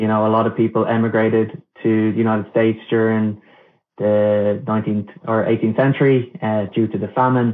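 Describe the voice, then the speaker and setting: A man with an Irish accent speaks at a moderate pace and a medium pitch. His intonation is monotone and flat. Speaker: psychedelic retreat co-founder, scientist. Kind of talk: casual interview. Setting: video call. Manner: halting with fillers.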